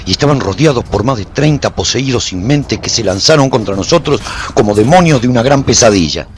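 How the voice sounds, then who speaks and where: A man's voice: medium pitch, lively intonation, a little fast, a little hiss or hum, natural voice. An actor playing a haunted warrior who narrates his post-apocalyptic story in a solemn, theatrical, intense way for a radio drama. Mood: frantic, intense. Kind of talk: dramatic first-person scripted narration.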